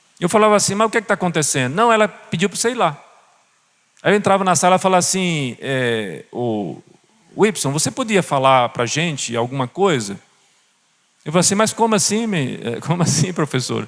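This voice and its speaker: Speaking fairly quickly with a northeastern Brazilian accent, a man uses a high voice that swings very widely in pitch. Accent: noticeable Northeastern Brazilian. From Northeast Brazil. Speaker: pastor. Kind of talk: sermon. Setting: church.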